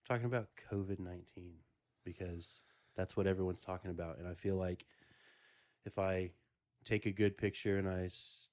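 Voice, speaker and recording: A man's voice: sits low, fairly even intonation, moderate pace. Rambling jokey male podcast host. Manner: rambling, jokey, many restarts. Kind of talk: casual chat.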